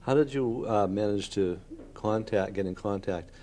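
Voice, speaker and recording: A man's voice: on the low side, moderate pace, dark tone, slight background noise. A man working as a local TV reporter, narrating and conducting interviews on site.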